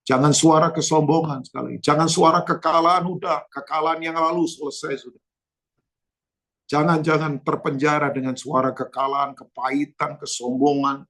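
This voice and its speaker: A man pastor preaching a sermon, telling stories and addressing the congregation directly in an animated way. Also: a little high, moderate pace. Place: church.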